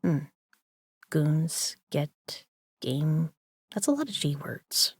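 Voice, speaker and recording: Woman playing a slow, woozy, stubborn card shark. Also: sits low, sing-song, darkish tone, husky, dry recording, clean studio sound, heavily acted. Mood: woozy musing. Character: drugged, stubborn, woozy female poker player. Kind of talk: scripted audio drama acting.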